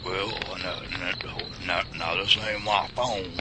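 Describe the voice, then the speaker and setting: Man playing a deep-voiced old country fellow, folksy drawl, crickets loud behind. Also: fairly even intonation, takes it slowly. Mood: grumbling. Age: older. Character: older rural backwoods man Mister Jessup. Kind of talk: amateur radio drama. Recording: loud outdoor noise, crickets.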